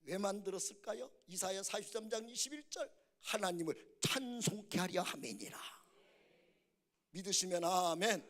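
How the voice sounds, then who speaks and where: Middle-aged pastor guy at a revival, high bright voice, super animated stories, keeps calling for amens. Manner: animated storyteller, calls out to congregation. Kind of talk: revival sermon.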